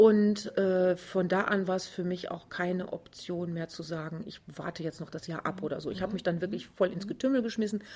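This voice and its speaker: Her voice is somewhat breathy, with a dark, mellow tone, and the woman keeps her intonation fairly even. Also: medium pitch for a woman, moderate pace. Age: 50s. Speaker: belly dance teacher and dance studio owner. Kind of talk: interview.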